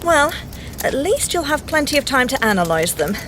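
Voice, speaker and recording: Brisk high-voiced young British scientist agent. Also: female voice, very animated, background noise. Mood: dry, observant. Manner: dry, gently teasing, precise. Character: brisk, cheerful, sensible young female scientist secret agent. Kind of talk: audio drama dialogue. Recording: music under the voice.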